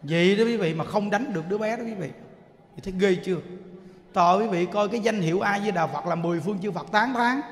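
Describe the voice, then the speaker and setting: A man preaching a sermon, emphatic and full of rhetorical questions, dropping to soft chanted recitations. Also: sits high, quick pace. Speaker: Buddhist monk preacher. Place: temple hall. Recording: echoey hall reverb.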